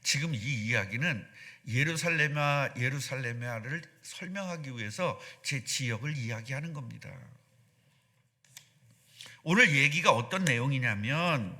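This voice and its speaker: A middle-aged man preaching a sermon as pastor, animated and asking the congregation questions. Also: fairly high pitch, normal speed. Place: church sanctuary.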